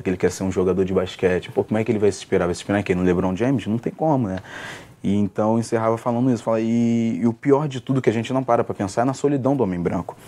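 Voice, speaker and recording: A young man, a stand-up comedian telling stories in a casual interview, with many restarts. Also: on the low side. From Rio de Janeiro, Brazil. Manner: fast, relaxed storytelling with many restarts and fillers.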